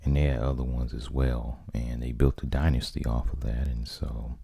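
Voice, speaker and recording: An American man speaking softly in a casual, rambling ASMR monologue, close to the microphone. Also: a bass voice, level tone, moderate pace, gravelly, slightly rough, no echo. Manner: rambling, conversational. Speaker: ASMR video host.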